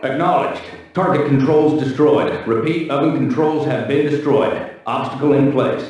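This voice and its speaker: An actor in a video game playing a brisk tactical squad member giving clipped military reports. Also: male voice, mid-range voice, steady tone, darkish tone, highs cut off, natural voice. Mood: businesslike. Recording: distant, very echoey, faint noise.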